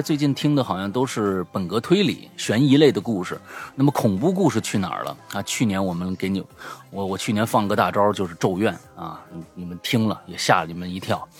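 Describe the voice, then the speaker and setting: A man hosting a show, chatting casually and promoting it, with a gravelly voice and a habit of repeating phrases for emphasis. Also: sits low. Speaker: show host and audio storyteller.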